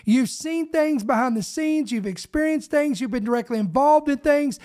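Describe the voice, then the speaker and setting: A middle-aged man hosting a ministry podcast, preaching and then leading a spoken prayer in a fervent, emphatic way, recorded on a close boom mic in a small home studio. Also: moderate pace, a little mellow. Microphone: boom microphone close to the mouth.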